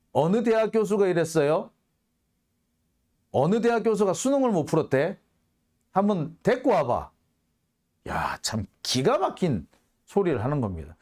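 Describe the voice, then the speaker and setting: A man's voice: high voice, darkish tone. A man hosting a political commentary monologue, heated and sarcastic, firing off rhetorical questions.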